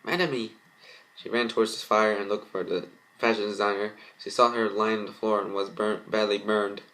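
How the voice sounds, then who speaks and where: A man's voice: on the low side, level tone, fairly bright tone, rough recording. A man reading fan fiction aloud as an amateur narrator, stumbling and restarting as he goes. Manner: halting, stumbles over words. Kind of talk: amateur dramatic story reading.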